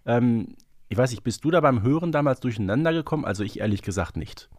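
Male podcast co-host, medium pitch, casual expert talk, dry close-mic recording. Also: lively intonation, quick pace, dry recording.

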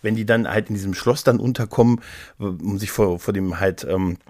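A man's voice: fairly low pitch, moderate pace, darkish tone, dry recording, studio quality. A man co-hosting a podcast in casual, enthusiastic chat, effusive and often repeating himself as he gropes for words. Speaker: podcast co-host discussing audio dramas.

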